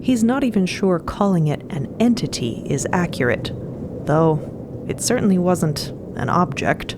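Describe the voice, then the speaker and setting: Very low-voiced woman narrating fiction. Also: sing-song, measured pace, background noise. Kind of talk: scripted dramatic narration.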